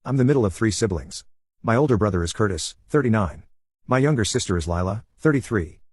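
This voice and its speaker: A man in his thirties from the United States reads a first-person story in a measured, deliberate way. His voice is low and husky, and the recording is dry and close with no room sound. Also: animated, darkish tone, no room sound. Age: 30s. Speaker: narrator.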